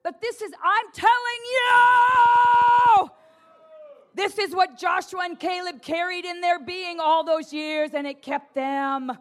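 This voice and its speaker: High-voiced animated woman preaching. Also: normal speed, few pauses. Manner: animated, playful, mimics listeners, shouts and laughs. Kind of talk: lively charismatic sermon.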